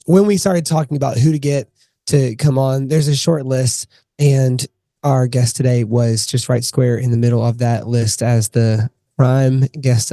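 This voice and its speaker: A man's voice: mid-range voice, dark tone, no echo, studio quality. A man hosting a podcast with a slightly sick voice, chatty and joking with many fillers. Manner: chatty, with frequent fillers and jokes. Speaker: podcast host. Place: podcast studio in Memphis.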